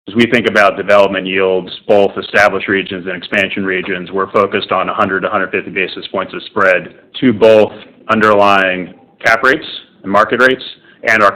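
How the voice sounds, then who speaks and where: A man's voice: low-pitched, bright, forceful tone, rough recording. A man speaking as a company executive, making structured, emphatic points in an unscripted call answer.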